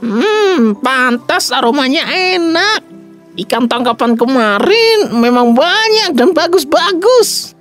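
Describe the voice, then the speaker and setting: A woman voicing an elderly male fisherman, hardworking and stubborn, in a cartoon story; she speaks in a slow, earnest, fussy way. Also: high voice, big pitch swings, a bit bright, faint music behind, heavily acted. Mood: cheerful.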